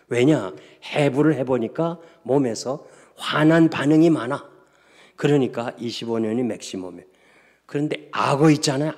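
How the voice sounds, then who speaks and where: A Korean man preaching a revival sermon, telling stories and swinging between hushed asides and loud exclamations. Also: mid-range voice. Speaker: pastor. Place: church sanctuary. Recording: long church reverb.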